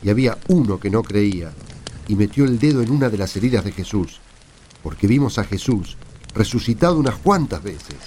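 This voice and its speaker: A man's voice: on the low side, expressive, a little fast, darkish tone, a little hiss or hum, lightly acted. A man with an Argentine accent playing an earnest, assured apostle testifying to friends in a radio play. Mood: solemn, earnest. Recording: music under the voice.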